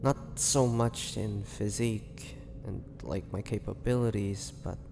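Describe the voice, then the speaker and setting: Brooding male half-vampire, acted by a man for audio roleplay: gravelly, confiding, halting, with long hall reverb and faint noise. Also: on the low side, fairly even intonation. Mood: wry, reflective. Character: melancholy male half-vampire confiding his tragic past. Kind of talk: slow dramatic monologue, audio roleplay.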